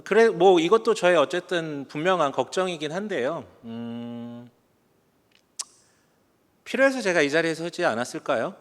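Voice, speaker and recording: Long hall reverb from a church sanctuary surrounds this forties-aged male pastor, whose voice runs on the high side and a bit bright. He preaches in a chatty, self-deprecating way, weaving in humorous stories.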